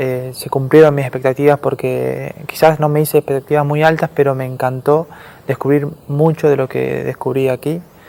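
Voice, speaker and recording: A man speaks at a fairly high pitch and a moderate pace in a dark, mellow tone with monotone, flat intonation. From Argentina, Catamarca. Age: 20s. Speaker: psychology student, program participant. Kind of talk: testimony.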